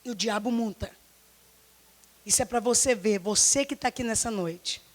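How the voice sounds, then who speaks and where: Woman pastor, Brazilian accent, high voice, slightly hoarse, fervent sermon, rhetorical questions. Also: moderate pace. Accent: Brazilian Portuguese. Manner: impassioned, repetitive, many rhetorical questions. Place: church service.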